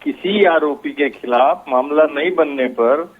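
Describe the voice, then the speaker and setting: A male senior journalist joining a TV debate, explaining a legal term in a deliberate way and repeating his points. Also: fairly high pitch. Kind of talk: debate commentary. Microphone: phone. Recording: tinny phone line.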